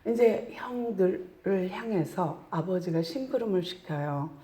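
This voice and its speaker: A woman pastor preaching a sermon in a church, telling the story with animated, acted-out voices. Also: mid-range voice, measured pace. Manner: animated storytelling, acts out quotes. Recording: echoey room.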